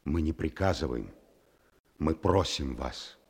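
An actor playing a grave, fatherly army major commanding a besieged fortress in a radio drama, with a deep husky voice. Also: expressive, takes it slowly, a little mellow, exaggerated voice. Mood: solemn, pleading.

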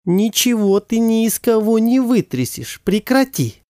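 A man's voice: sing-song, unhurried, dry recording, clean studio sound. A man voicing a young mother who coos tenderly over her son and flares up at her husband, in a storybook reading. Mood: angry. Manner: soft cooing turning to shrill outbursts. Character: young mother, tender, protective, explosive when angry.

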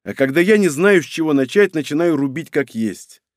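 A man reading aloud does a cocky young hero with a blunt, sardonic edge. The voice jumps up and down lively and sits close in a dry, dead room. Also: fairly high pitch, brisk, no echo, pitched above the performer's own voice, lightly acted. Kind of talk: audiobook reading.

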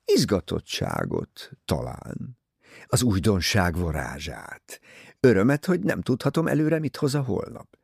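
A man voicing a teasing, easygoing young English gentleman talking with his mother in an audiobook. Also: low voice, wildly swooping pitch, gravelly, slightly rough, no echo, clean studio sound, full character voice. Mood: wry teasing. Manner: wry, teasing.

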